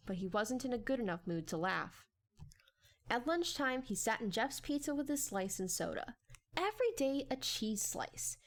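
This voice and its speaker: A woman reading a story aloud as a dramatic, expressive, animated narrator. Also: a little high. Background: background music.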